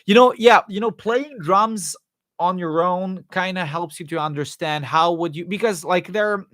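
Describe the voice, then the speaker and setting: A man hosting a live Q&A, answering viewer questions in a loose, rambling way with fillers and restarts, his voice going hoarse. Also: high-pitched, unhurried, fairly bright tone, dry recording, studio quality. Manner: rambling, many fillers and restarts, jokey asides. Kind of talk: casual live-stream Q&A, reading and answering chat questions.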